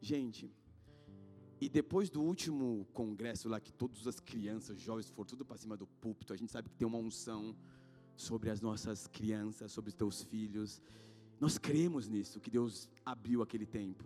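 A man in his thirties with a Brazilian Portuguese accent, preaching in church. He talks in slangy, casual asides, swinging between loud exhortation and hushed storytelling. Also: lowish voice, moderate pace. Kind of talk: sermon. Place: church sanctuary. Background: faint guitar music.

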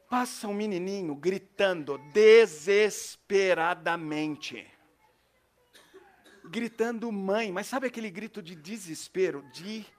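A middle-aged man with a Brazilian Portuguese accent, preaching a sermon as a pastor and telling stories, swinging between loud and hushed. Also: high-pitched. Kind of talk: storytelling sermon.

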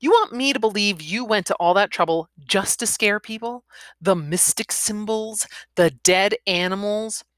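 A woman's voice: medium pitch, moderate pace, fairly bright tone, no echo, studio quality, pitched above the performer's own voice, close to an everyday voice. A woman voicing a foul-mouthed, confrontational young female bully in her twenties from a novel, growling and accusing. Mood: angry, accusing.

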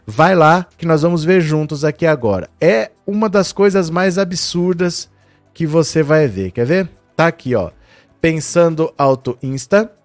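Middle-aged male live-stream host, indignant, direct to viewers, higher-pitched voice, dry close sound. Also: big pitch swings, moderate pace, dry recording, faint music behind. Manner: indignant, talks straight to viewers. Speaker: live-stream political commentator. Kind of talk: casual live-stream commentary.

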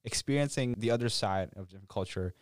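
A young man in his twenties from Korea co-hosts a chatty podcast. His voice sits very low and deep, and he thinks aloud with relaxed hesitations. The recording is dry and close. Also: quick pace, dry recording. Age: 20s. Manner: relaxed, reflective, with hesitations and laughs. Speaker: podcast co-host. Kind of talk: casual conversational podcast.

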